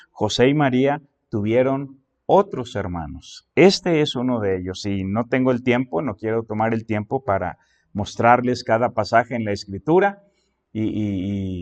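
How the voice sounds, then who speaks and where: A man's voice: medium pitch, darkish tone. Male pastor preaching with rising emphasis. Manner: expository preaching, reads scripture aloud with rising emphasis; counts points and repeats phrases for emphasis. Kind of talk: sermon.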